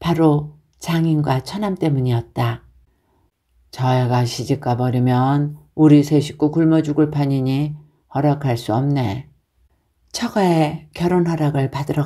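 In a very clean recording with a silent background, a woman speaks at a very slow pace with a soothing, calm tone that is dark and mellow, her pitch very deep and low, with ordinary pitch variation. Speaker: audiobook narrator. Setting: home recording with quiet background music. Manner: soothing, slow, calm, gentle and hushed, ASMR-like.

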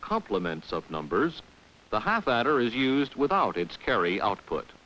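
The voice has a bright, sharp tone and vocal fry, moves at a moderate pace with very wide pitch swings, and has light background noise behind it. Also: man. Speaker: film narrator. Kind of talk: vintage military training film narration. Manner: formal, measured, even-paced instructional delivery; dry, impersonal, authoritative tone. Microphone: old recording.

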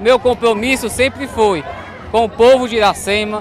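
Amid crowd noise in the background, a man with an extremely high pitch speaks at a moderate pace with fairly even intonation, the sound dry with no echo. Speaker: local councillor. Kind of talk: interview answer. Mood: earnest campaign tone. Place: hall. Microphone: handheld.

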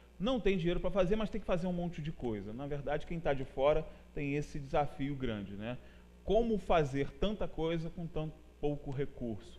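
This man's fairly high voice moves at a moderate pace with lively intonation. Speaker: TV news host and interviewer. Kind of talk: casual studio interview. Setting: studio. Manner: conversational, hesitant with many fillers. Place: studio.

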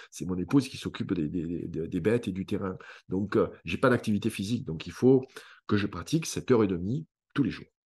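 With a fairly low pitch, this man talks at a moderate pace, his intonation lively and his loudness swinging widely. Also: quiet background. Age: 50s. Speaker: author. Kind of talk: interview. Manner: halting, many fillers.

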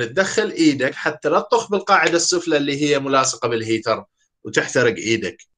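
A man's bright, sharp tone rises and falls in very wide pitch swings. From Iraq. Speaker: university lecturer. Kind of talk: lecture. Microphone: webcam.

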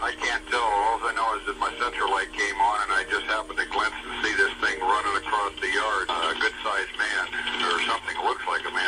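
A man talks at a fairly quick pace with hardly any pauses. Loud background noise is present. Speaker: caller. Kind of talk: frightened phone report to a dispatcher. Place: home room.

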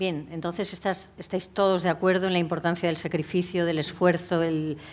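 Her voice is fairly low and flat, monotone in intonation. The woman keeps a moderate pace. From Spain. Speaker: moderator. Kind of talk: panel discussion. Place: stage. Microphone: headset.

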